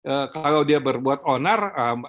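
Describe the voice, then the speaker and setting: Halting man talking about parenting. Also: medium pitch, a bit bright. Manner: halting, many filler pauses and restarts; mixes in English terms. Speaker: guest speaker on parenting. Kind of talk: conversational talk-show discussion.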